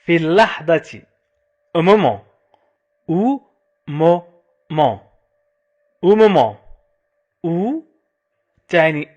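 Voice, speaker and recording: A man teaching a language lesson, saying each phrase slowly over and over, then quickly glossing its meaning. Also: a little high. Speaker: French teacher. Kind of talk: slow repetition drill with translations.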